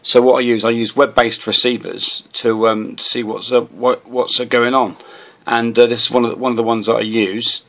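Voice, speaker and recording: Sitting at a desk in a small indoor room, an amateur radio hobbyist hosts an off-the-cuff gadget demonstration, filmed on a handheld camera or phone. His mid-range voice is level and fairly bright at a moderate pace. He rambles, hesitates, and often repeats his words.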